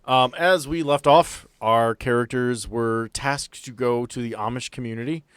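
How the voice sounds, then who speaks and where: A man narrating a tabletop game as game master, setting scenes in a conversational, halting way. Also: medium pitch, clean tone, no room sound, studio quality.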